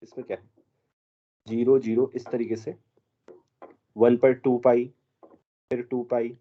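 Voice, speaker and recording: A man's voice: mid-range voice, flat delivery, slow pace, lo-fi sound. A man teaching an exam math problem in a classroom, mixing Hindi with English math terms and quizzing his students.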